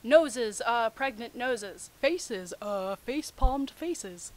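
A young woman with a fairly high voice reads amateur fiction aloud. She breaks off for sarcastic, incredulous commentary in a conversational way. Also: expressive, slow, low-quality recording. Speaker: host of a comic fan fiction reading series. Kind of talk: reading fan fiction aloud with mocking commentary.

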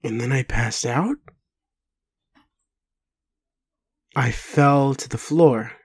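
A man playing a bewildered, doubting but gentle partner in an intimate roleplay audio, speaking haltingly with pauses. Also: medium pitch, slightly rough. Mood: stunned, uneasy. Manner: halting, hesitant, full of pauses and sighs.

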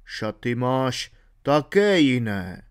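A man voicing a suspicious middle-aged shepherd in an audiobook, asking slow, doubtful questions. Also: medium pitch, sing-song, clean tone, lightly acted. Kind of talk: audiobook reading.

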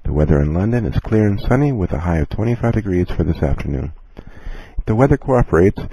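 A man playing a calm, courteous airline captain giving a measured, scripted in-flight announcement. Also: deep voice, gravelly, slightly rough, no echo, full character voice, low-quality recording. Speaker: airline captain in a listening lesson.

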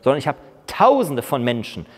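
Man, 40s, fitness host; expressive, swinging delivery, slight hall reverb. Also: medium pitch, a little fast, slightly rough. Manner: emphatic, argumentative, lively gestures. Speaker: fitness YouTuber. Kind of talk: opinionated monologue to camera. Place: large indoor gym. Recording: long reverb in a big gym hall.

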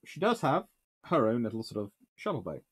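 A man's voice: medium pitch, fairly quick, husky. Dry-witted British man chatting at his desk. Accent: British English. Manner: dry wry asides, lively bursts of enthusiasm. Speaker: naval historian host. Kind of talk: casual chat reviewing books and answering questions. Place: small home study lined with bookshelves.

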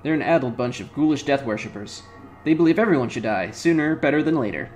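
A man voicing a wisecracking floating male skull companion, high and brash as he reads the game's lines aloud. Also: animated, quick pace, a little mellow, a little hiss or hum, lightly acted.

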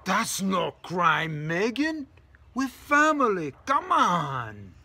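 A man playing a brash, defensive political character in sketch comedy, with a rough, husky voice. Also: high voice, huge pitch swings, extremely slow, bright, forceful tone, exaggerated voice.

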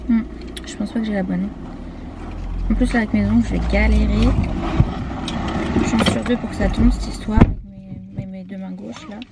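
A woman's voice: mid-range voice, fairly even intonation, normal speed, vocal fry, pauses often. A woman talking casually to her camera in a candid, rambling way, full of fillers and self-corrections. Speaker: family vlogger. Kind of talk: casual vlog chat to camera. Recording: noisy background ambience.

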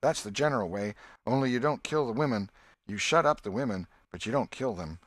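A man's voice: mid-range voice, fairly quick, no echo, pitched above the performer's own voice. A man reading an audiobook, voicing an eager, bossy boy who leads a gang and lectures his friend. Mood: eager, lecturing. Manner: excited, bossy, know-it-all. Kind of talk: audiobook character voice.

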